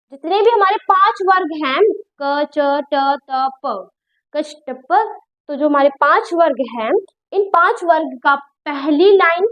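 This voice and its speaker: A woman's voice: sits high, dull audio. A young woman teaching a grammar lesson, explaining step by step, often asking the listener questions and correcting herself as she goes. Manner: explanatory, repeats and checks understanding, corrects herself. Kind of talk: spoken Hindi grammar lesson.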